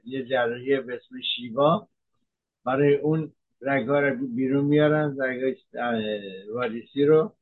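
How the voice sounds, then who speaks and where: A man's voice: medium pitch, husky. Man explaining medicine over a tinny line. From Iran. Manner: measured, explains terms, frequent hesitations. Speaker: physician giving health talk.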